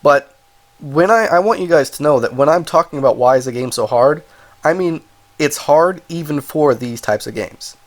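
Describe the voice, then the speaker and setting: A man's voice: fairly high pitch, animated, normal speed. A man with a cold and a stuffed-up voice, casually reviewing a video game, rambling and correcting himself as he goes. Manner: rambling, self-correcting, apologetic asides. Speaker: game reviewer, channel host.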